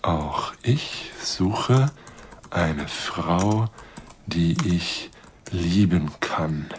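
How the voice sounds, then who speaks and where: An actor playing a lonely, awkward middle-aged astronomer in a radio play, halting and muttering as he composes emails. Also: low-pitched, animated, slight background noise, exaggerated voice. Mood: hesitant, lonely. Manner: halting, self-correcting, muttering, trailing off.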